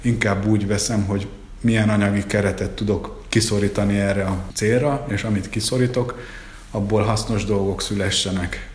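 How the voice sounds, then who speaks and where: Speaking at a moderate pace, a man with a fairly low voice keeps a monotone, flat intonation, with audible room echo and noticeable background noise. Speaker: company founder and managing director. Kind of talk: interview.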